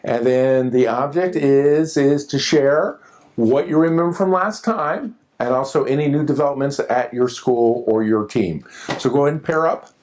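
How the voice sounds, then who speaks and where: A man's voice: mid-range voice, normal speed, darkish tone. A man facilitating a teacher training workshop in a classroom, who says "okay" and "as far as" again and again. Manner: repeats "okay" and "as far as" often.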